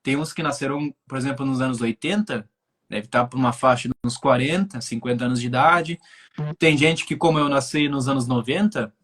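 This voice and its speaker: Husky young man explaining on a live stream. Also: medium pitch, fairly quick, a bit bright. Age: 20s. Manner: explanatory, thinks aloud with many filler tags. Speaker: guest speaker on spirituality.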